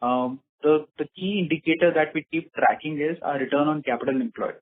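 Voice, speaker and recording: A man with an Indian accent, speaking formally and in measured explanations as an executive answering questions on an earnings call. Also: fairly high pitch. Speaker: company executive answering investors. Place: conference call. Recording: muffled narrowband phone line, slightly rough.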